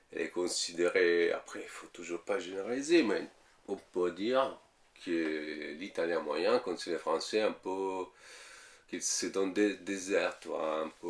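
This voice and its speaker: Deep-voiced Italian man, hesitant. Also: takes it slowly, vocal fry, pushed and bright. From Italy. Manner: hesitant, many fillers and repeated words. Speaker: interviewee. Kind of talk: casual interview talk.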